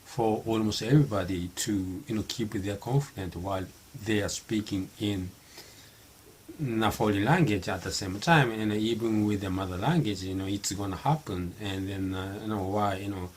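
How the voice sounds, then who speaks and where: A middle-aged man from Japan, a native Japanese speaker, talking English in a halting unscripted monologue with many fillers and restarts. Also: on the low side, a little hiss or hum. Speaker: vlogger practicing English.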